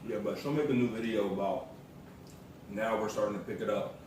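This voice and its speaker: Casual American male vlog co-host, slangy storyteller, mid pitch, heavily reverberant room with clear background noise. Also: a little fast, darkish tone. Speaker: vlog co-host, the vlogger's partner. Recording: roomy echo, distant mic, noisy background.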